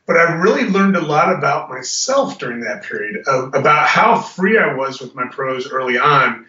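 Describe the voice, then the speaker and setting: Bright-voiced man far from the mic. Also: a little high, big pitch swings, moderate pace. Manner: chatty, stumbling restarts. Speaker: guest author. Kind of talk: casual interview. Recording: roomy, distant, lo-fi audio.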